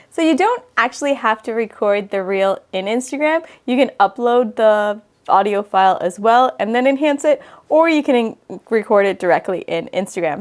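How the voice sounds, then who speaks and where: A woman host presenting a tutorial in an instructive, conversational way, as an online educator. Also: fairly high pitch. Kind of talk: tutorial narration to camera.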